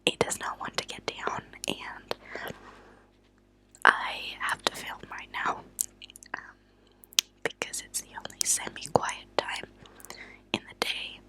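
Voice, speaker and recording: A woman hosting ASMR, speaking in a soft, breathy, unvoiced whisper with a hushed, deliberate delivery and pauses. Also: poor audio. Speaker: ASMR channel host. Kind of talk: whispered ASMR true-crime reading. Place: at a desk indoors.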